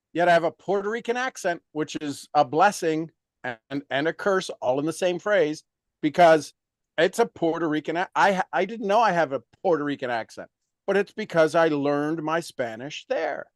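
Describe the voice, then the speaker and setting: A man coaching in an emphatic, motivational way, animated and firm. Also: high voice, no room sound, studio quality. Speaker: sales coach.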